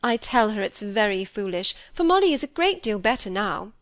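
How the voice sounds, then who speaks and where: A woman's voice: mid-range voice, very animated, moderate pace, dry recording, lightly acted. A woman voicing a fussy, self-pitying middle-aged stepmother who complains and talks over others, with a dry, close sound. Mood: peevish.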